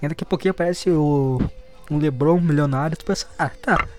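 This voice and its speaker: A man's voice: fairly high pitch, quick pace, mellow. A young man casually commenting on news stories as he reads them aloud, sarcastic and profane, often laughing. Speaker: streamer reacting to news. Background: faint music playing.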